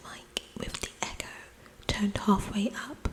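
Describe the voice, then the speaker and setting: A woman's whisper moves very slowly while clear background noise is heard behind her. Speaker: gamer and YouTuber reviewing a microphone. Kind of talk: product review and sound test. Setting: indoors, home recording. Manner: casual, with many fillers; whispering in parts.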